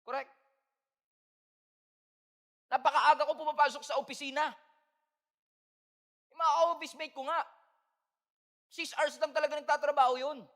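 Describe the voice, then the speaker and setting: A man preaching from the pulpit with a high, bright, ringing voice. He swings from loud, emphatic declarations down to soft, confiding tones. A long hall reverb trails after each phrase. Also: steady tone, normal speed, long pauses. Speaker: pastor. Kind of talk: sermon.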